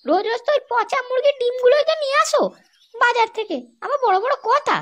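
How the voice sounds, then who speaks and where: A performer voicing a sharp-tongued young wife in a comedy cartoon, crude and taunting, with a West Bengal accent and a pitched-up voice. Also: fast talker. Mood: scornful nagging. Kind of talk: amateur comedy cartoon dialogue.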